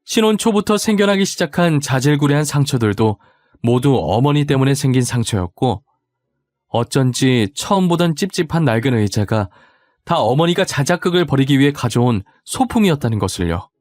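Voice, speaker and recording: A man narrating a personal family story in a calm, confessional way. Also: medium pitch, normal speed, no echo.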